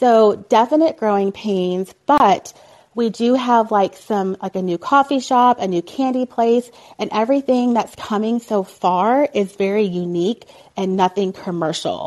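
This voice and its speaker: Heard in a dry, close sound with no echo, a woman with an American accent and an unremarkable speaking voice talks fairly slowly at a fairly high pitch, with ordinary pitch variation. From Texas. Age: 40s. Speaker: travel planner. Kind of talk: casual chat.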